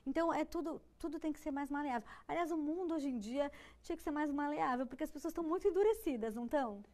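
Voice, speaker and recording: High-voiced Brazilian talk-show hostess. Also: female voice, fast, darkish tone. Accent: Brazilian Portuguese. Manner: engaged, affirming, asks follow-ups. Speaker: host.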